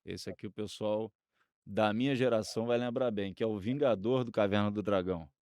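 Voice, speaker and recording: A man's voice: lowish voice, a little fast, darkish tone, smooth. A man with a Brazilian accent co-hosting a casual discussion, hesitantly restarting his phrases. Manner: hesitant, repeats phrase starts.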